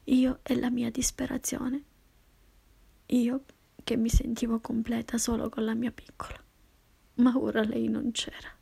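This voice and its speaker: A woman reading a first-person story in a slow, hushed, intimate whisper. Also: on the high side, monotone, creaky, slightly rough. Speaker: narrator.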